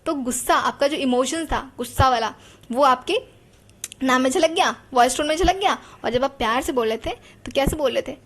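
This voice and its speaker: A woman's voice: high-pitched, moderate pace, fairly bright tone. A woman gives a psychology lesson. She talks in a chatty way and keeps putting rhetorical questions to her students. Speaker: teacher.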